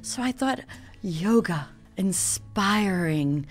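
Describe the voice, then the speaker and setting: A woman's voice: mid-range voice, expressive, takes it slowly, faint music behind. A woman playing an earnest, gullible, dreamy small-town clerk with an effusive manner in an improvised radio drama. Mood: dreamy, enthusiastic. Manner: effusive, gushing.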